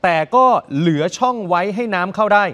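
A man's voice: sits high, lively intonation, fairly quick, a bit bright. A male news presenter telling a crime story in an emphatic way, speaking straight to the viewers. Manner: emphatic, addresses viewers directly. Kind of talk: dramatic news report.

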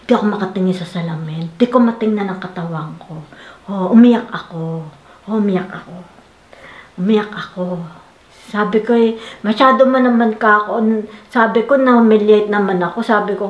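A woman's voice: medium pitch, highs cut off. Filipina woman vlogger telling a personal story. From Philippines. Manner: animated, laughing, quoting her husband. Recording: echoey room with faint noise.

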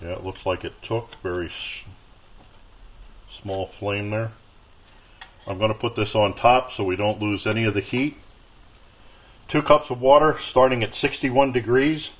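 A man with a fairly low voice talks through a demonstration step by step in a plain, unhurried way. He is at a workbench in a home workshop, caught by the camera's own mic off screen. The sound is dull and lo-fi. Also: fairly bright tone. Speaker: outdoor gear video maker. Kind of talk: casual hands-on demonstration.

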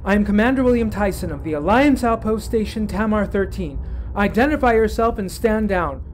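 High-pitched, animated station commander played by a man. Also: brisk, slight background noise. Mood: stern, measured. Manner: authoritative, urgent. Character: firm male space station commander. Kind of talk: sci-fi audio drama acting.

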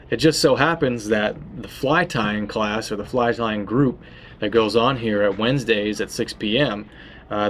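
A man's voice: fairly low pitch, slight background noise. A man in his thirties, a tackle shop host, talking casually about fishing tactics with plenty of uh fillers. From Florida. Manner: relaxed and conversational, with many uh fillers and restarts. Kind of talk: casual fishing how-to talk.

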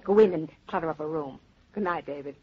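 A woman's voice: sits low, fast, lightly acted. An actress playing a plainspoken, dryly teasing middle-aged mother in a 1940s radio drama. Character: mother, older woman, dry and plainspoken. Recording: dull 1940s radio transcription.

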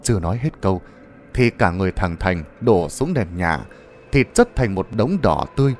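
A man's voice: sits low, very animated, normal speed, a little hiss or hum. A man narrating a ghost story in a dramatic, suspenseful manner.

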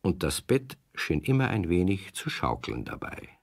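A man's voice: low-pitched, sing-song, normal speed, vocal fry, dry recording, studio quality. A man narrating a scripted children's story as a storyteller.

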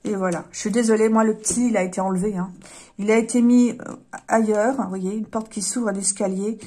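A woman giving a casual tarot card reading, hesitant and apologetic, often pausing and sighing. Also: mid-range voice, fairly even intonation, mellow, a little hiss or hum. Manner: hesitant, apologetic, with frequent fillers and sighs.

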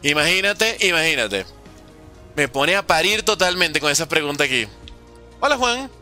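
Bright, lively young male gaming streamer. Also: on the high side, normal speed, faint music behind. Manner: joking, reads chat questions aloud and answers playfully. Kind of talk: live gameplay commentary reading chat.

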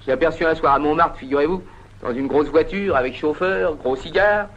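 A man's voice: a little high, fairly quick, a bit bright. An actor playing a gossipy, sly old grandfather in an old comedy film. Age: older. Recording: dull old film soundtrack.

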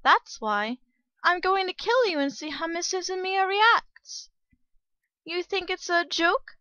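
A woman voicing a sweet, polite schoolgirl with a murderous calm, in anime dub style. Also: very high-pitched, slow, dry recording, dull audio, voice pushed up, heavily acted. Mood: sweetly menacing. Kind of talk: anime dub audition acting.

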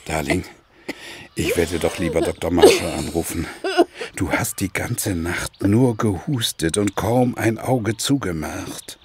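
A man's voice: low-pitched, a little slow. An actor playing an anxious businessman, husband and father in an audio drama, earnest and uneasy. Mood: worried, caring. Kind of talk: German audio drama acting.

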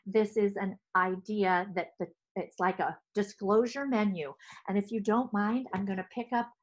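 Animated woman with headset mic. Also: medium pitch, moderate pace. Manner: animated, gesturing with both hands. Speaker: speech-language pathologist. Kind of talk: presenting to clinicians. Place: home office.

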